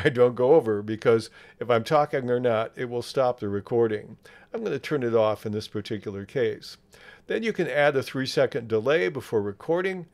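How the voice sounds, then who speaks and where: Male, tutorial presenter, mid-pitched, measured, explanatory, step-by-step narration. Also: a little mellow.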